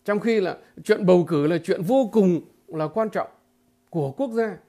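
A man giving a political commentary monologue to his viewers, halting and repeating filler words, emphatic and blunt. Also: sits high, warm tone. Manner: emphatic, with blunt crude imagery.

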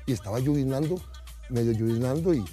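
A man's voice: medium pitch, brisk, soft background music. A middle-aged Costa Rican man casually telling an anecdote, acting out the people in it. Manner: animated, acts out voices in his stories. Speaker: guest storyteller.

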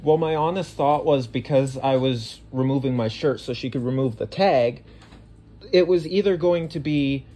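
A man's voice: mid-range voice, moderate pace. A man casually narrating his trip for a travel vlog, with dry, matter-of-fact remarks, recorded on a handheld phone. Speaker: vlogger. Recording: loud crowd and music behind.

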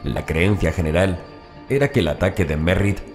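Man, extremely low voice, horror audiobook narration, measured phrasing, faint music behind.

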